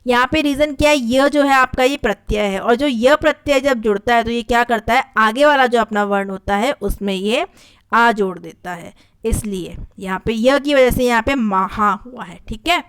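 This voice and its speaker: A woman teaching a spelling lesson for an exam, her voice smooth and clear and pitched a little high. She goes over each correction patiently and repeats it to make it stick. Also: moderate pace, fairly bright tone. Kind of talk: exam-prep grammar lesson.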